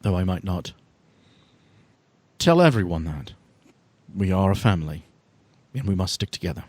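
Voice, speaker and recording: A man voicing a caring, firm female team leader with a measured, formal and earnest way of speaking in a tabletop game. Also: low voice, animated, darkish tone, dry recording. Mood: warm, solemn.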